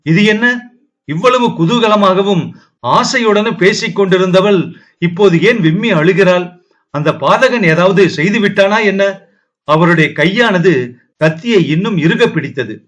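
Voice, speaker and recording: A man narrating a historical novel as an audio book, in a steady, dramatic storytelling way. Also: high voice, normal speed.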